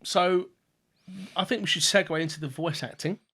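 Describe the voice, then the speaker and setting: A man hosting a casual film review podcast, relaxed and steering the talk along. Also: high-pitched, moderate pace, loud music behind the voice. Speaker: podcast host.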